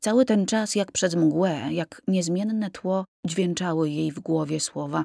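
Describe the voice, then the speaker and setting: Speaking at a very slow pace, a woman with a fairly low pitch and a dark, mellow tone uses ordinary pitch variation in a dry, close sound with no echo. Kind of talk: audiobook reading of a novel, narration with quoted character dialogue. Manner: expressive, shifts tone for each character's dialogue; even, measured storytelling pace.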